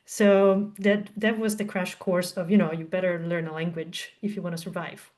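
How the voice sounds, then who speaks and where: A woman's voice: on the low side, flat delivery, normal speed, a little mellow. Woman, thirties, Italian native speaker, chatty guest, storytelling, lots of ums. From southern Italy. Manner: chatty, storytelling with frequent fillers. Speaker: guest, translator and tech co-founder. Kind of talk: casual podcast interview.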